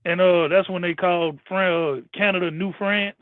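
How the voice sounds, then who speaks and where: A man's voice: sits high, fairly even intonation, moderate pace, no echo. A man on an online panel, chatting casually and explaining history with many restarts. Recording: tinny phone-line sound.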